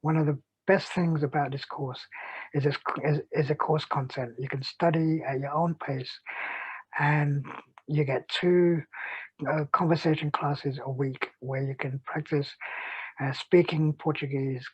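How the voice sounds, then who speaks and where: Slow, flat, husky testimonial voice. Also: medium pitch, no echo, dull audio. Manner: halting, with fillers and restarts. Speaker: course student giving a testimonial. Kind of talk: unscripted testimonial.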